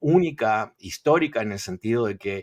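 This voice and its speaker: A man talks at a moderate pace, his pitch swinging very widely, in a very clean recording with a silent background and a dry, close sound with no echo. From Uruguay. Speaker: entrepreneur. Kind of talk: interview. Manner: hesitant, many fillers.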